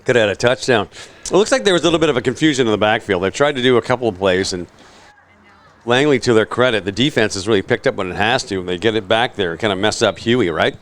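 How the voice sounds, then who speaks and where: A man's voice: fairly low pitch, expressive, quick pace, a bit bright. A man doing casual play-by-play commentary on a local football game, chatty and joking between plays. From Canada.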